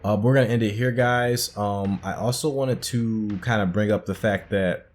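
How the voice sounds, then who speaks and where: A man's voice: fairly low pitch, moderate pace. A man hosting a gaming playthrough, giving informal commentary and thinking aloud as he goes. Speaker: gaming host. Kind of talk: casual game commentary.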